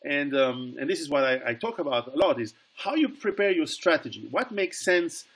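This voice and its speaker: Husky middle-aged man on a video call. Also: on the high side, sing-song, fairly quick, fairly bright tone. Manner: earnest, with many restarts and repeated words. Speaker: guest author. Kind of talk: casual interview over video call.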